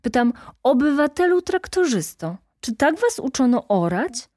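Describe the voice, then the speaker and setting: A woman reading an audiobook, voicing a brisk middle-aged woman activist who tells her stories in a lively, indignant way. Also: sits high, dry recording, clean studio sound, voice pushed up, heavily acted.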